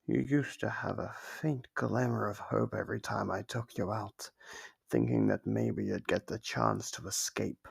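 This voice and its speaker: A man playing a sadistic, playfully menacing monster captor in an ASMR horror roleplay, with a gravelly, husky voice and a slow, teasing delivery. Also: lowish voice, steady tone, heavily acted. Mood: mocking, gloating.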